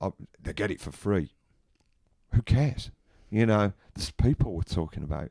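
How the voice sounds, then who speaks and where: Lively in intonation, a man with a Birmingham accent and a dark, mellow tone speaks at a moderate pace in a dry, close sound with no echo. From England. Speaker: metal band vocalist. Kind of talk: casual interview. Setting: backstage crawl space at a venue. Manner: halting.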